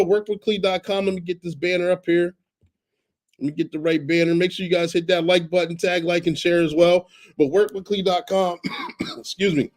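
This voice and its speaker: Hoarse guy hosting a podcast, getting over a cold, keeps repeating himself, bit of music in back. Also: fairly high pitch, a little mellow. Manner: chatty, repeats himself, coughs and apologizes. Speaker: podcast host. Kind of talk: live-streamed podcast intro.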